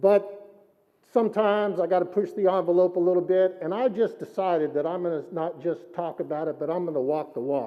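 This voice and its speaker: Loud and high-pitched, a man speaks at a fairly quick pace with ordinary pitch variation. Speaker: parent speaking at public comment. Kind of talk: public comment at school board meeting. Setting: school board meeting.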